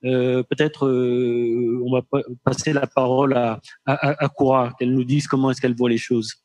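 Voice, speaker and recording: A man moderating a panel discussion, speaking haltingly and often repeating words as he goes. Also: mid-range voice, little pitch movement, darkish tone, no echo.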